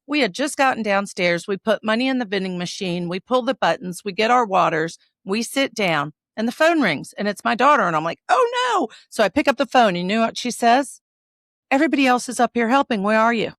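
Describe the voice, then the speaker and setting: A middle-aged woman chatting as a co-host, who acts out the family dialogue in her stories with lively voices. Her voice sits in the middle of the range. The sound is dry and close, with no room around it. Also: mid-range voice, no echo. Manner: animated storyteller acting out family dialogue. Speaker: co-host, a judge. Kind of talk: casual chat.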